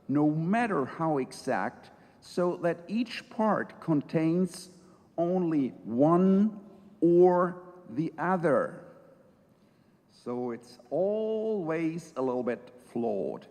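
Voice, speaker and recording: A middle-aged man, a judge speaking at an academic conference, talking slowly and thoughtfully with many pauses and fillers. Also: a little high, expressive, a little mellow. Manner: slow, thoughtful, hesitant with fillers. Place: large lecture hall. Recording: reverberant lecture hall.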